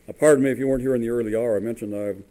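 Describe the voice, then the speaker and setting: Guy preaching in church, rough voice, lots of uh and restarts, mid pitch. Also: dark tone, rough recording. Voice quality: halting, with many fillers and restarts. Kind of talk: sermon. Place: church sanctuary.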